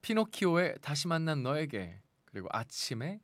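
A man's voice: a little high, sing-song, moderate pace, no echo. A man hosting a radio show in a casual, friendly way, reading listener messages aloud and chatting back to them. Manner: chatty, friendly replies to listeners with light laughs. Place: radio studio.

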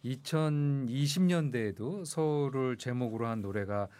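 A man appearing as a music commentator on a radio show, explaining songs in a measured way with frequent fillers, in a studio. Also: medium pitch, dark tone. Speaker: music commentator, magazine editor-in-chief guest. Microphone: studio microphone.

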